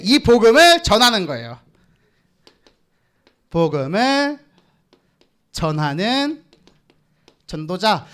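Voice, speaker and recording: A man's voice: very high voice, fairly bright tone. A young man leading a children's sermon, calling out lines for the kids to repeat and teasing them by name. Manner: call-and-response with kids, teasing. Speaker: children's pastor. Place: church children's worship room.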